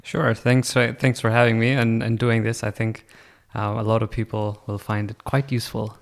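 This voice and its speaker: A man in his twenties from Pakistan, a podcast guest telling his story in a relaxed, reflective way. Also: lowish voice, moderate pace, vocal fry. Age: 20s. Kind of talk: casual interview chat.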